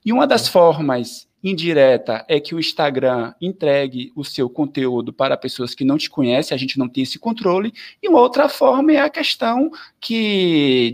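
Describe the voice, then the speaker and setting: A man, chatting as a guest in an interview, lively and full of filler tags. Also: fairly high pitch, creaky. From southern Bahia, Brazil. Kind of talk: casual interview chat.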